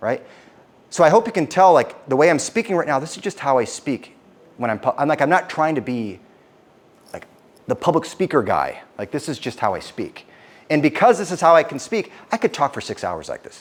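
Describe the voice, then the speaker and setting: A man talks at a fairly high pitch in an animated, intense tone, with vocal fry. His loudness swings widely, his pitch swings very widely, and he leaves long, frequent pauses. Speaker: public speaking coach. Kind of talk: workshop talk to small audience. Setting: in front of small live audience. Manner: animated, varied pitch and volume.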